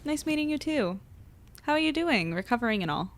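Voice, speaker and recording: A woman's voice: high voice, very animated, fairly quick. A woman playing an earnest, curious young journalist in a fiction podcast, polite and a little hesitant. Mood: friendly, attentive. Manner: hesitant, stammering when caught out, polite. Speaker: newspaper editor and narrator. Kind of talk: fiction podcast acting and narration.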